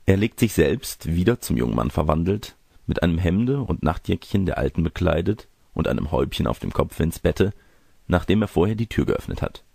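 A man with a low, husky voice reads a storybook tale as an audiobook narrator. His delivery is expressive and animated, recorded dry and close. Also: fairly quick, no room sound.

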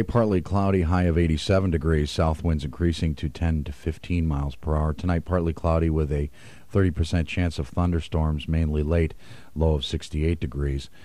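A man's voice: deep voice, dark tone, no room sound. An American man working as a radio DJ, delivering rock station patter between songs from a studio.

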